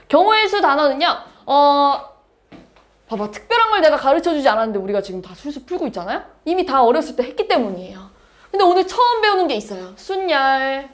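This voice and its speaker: A woman math teacher lecturing a class, explaining step by step and asking her students questions. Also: high-pitched.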